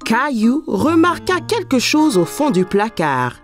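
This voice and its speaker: A woman narrating a children's cartoon as a warm, scripted storyteller. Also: a little high, very animated, unhurried. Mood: storytelling. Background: faint music.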